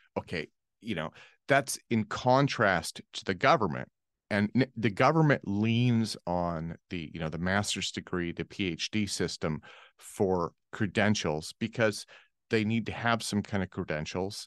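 With an unremarkable speaking voice, a man speaks at a fairly slow pace in a fairly low pitch with lively intonation, the sound dry and close with no echo against a quiet background. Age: 40s. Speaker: alternative propulsion researcher and conference host. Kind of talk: casual interview.

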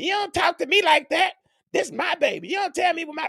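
A put-on character voice at an extremely high pitch and a fairly quick pace. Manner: angry, defensive.

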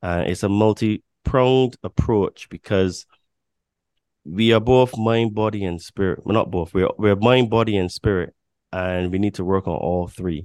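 Man in an ordinary speaking voice, fairly low pitch, ordinary pitch variation, moderate pace, quiet background. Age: 40s. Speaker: speaker and commentator. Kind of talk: casual chat.

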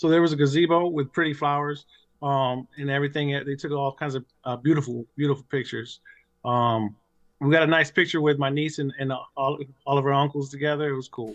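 A man's plain, everyday voice at fairly high pitch, fairly quick, with fairly even intonation. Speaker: returning podcast guest. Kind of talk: casual chat.

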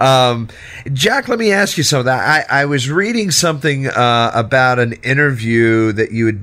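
Using a bright, sharp tone, a man with an American accent speaks at a moderate pace. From Texas. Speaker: internet radio host, SEO expert. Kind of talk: casual talk-radio interview. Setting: studio. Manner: halting, repeats words often.

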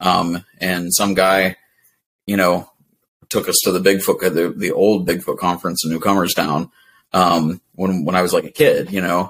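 A man with an American accent speaks at a very deep, low pitch. His intonation is monotone and flat. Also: moderate pace. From Ohio, US Midwest. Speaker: park naturalist. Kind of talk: casual interview.

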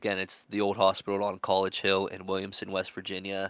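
A man talks at a fairly low pitch. The recording is very clean with a silent background and a dry, close sound with no echo. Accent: American. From New Jersey. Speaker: guest co-host, movie reviewer. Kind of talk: casual chat.

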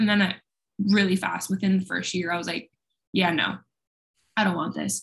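Vocal fry runs through this woman's medium-pitched voice, and her intonation stays fairly even. She talks at a fairly quick pace, broken by long, frequent pauses. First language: Spanish. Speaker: entrepreneur and former law student. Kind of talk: casual interview conversation.

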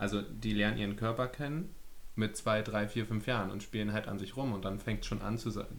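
A man's fairly low voice at a fairly quick pace with fairly even intonation, in audible room echo. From Berlin, Germany. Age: 20s. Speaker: podcaster. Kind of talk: interview conversation.

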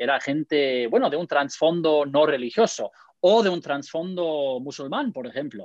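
An ordinary speaking voice from a man, fairly high in pitch, at a fairly slow pace with ordinary pitch variation, recorded dry and close with no echo. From Spain, then Germany from age 8 to 25. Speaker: missionary and church planter. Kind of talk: interview about faith and discipleship.

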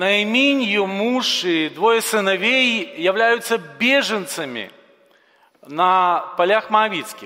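A man's raised, projected voice, high in pitch, very slow, and very even in loudness. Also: ordinary pitch variation. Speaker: preacher. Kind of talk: sermon. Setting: church.

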